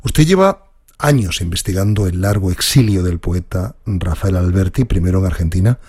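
A man hosts a formal interview with a very low, husky voice. He reads a polished introduction and asks measured questions. The sound is close and dry, with no room around it. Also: animated, darkish tone, no room sound. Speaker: interviewer host.

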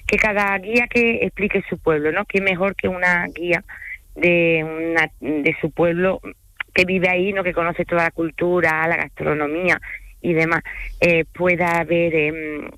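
A woman's voice: on the low side, fairly even intonation, unhurried, fairly bright tone, no room sound, rough recording. Chatty French-born woman tour guide. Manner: chatty, frequent "¿vale?" tags and fillers. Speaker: tour guide and company manager. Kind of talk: radio interview guest.

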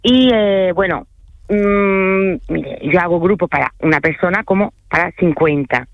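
A woman's voice: lowish voice, a little slow, dry recording, muffled recording. A woman from France, a tour guide, talking casually in a radio interview and often checking in with her listener mid-sentence. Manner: chatty, keeps adding "okay?" and filler hesitations.

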